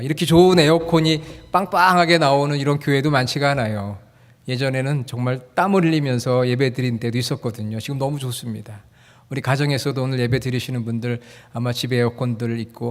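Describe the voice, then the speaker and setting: A male pastor giving a sermon in a church, friendly and joking as he quizzes the congregation. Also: medium pitch. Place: church sanctuary. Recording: long hall reverb.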